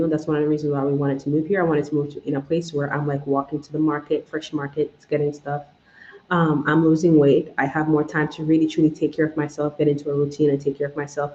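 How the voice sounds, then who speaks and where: Talking straight to her audience in a casual live-stream chat, this Jamaican-accented channel host rambles and backtracks to correct herself. Her voice sits low with a dark tone, picked up in an echoey room that sounds slightly dull.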